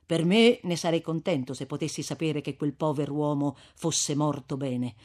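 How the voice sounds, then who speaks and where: A man voicing a resolute young man who speaks briskly and eagerly. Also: fairly high pitch, darkish tone, pitched below the performer's own voice, close to an everyday voice.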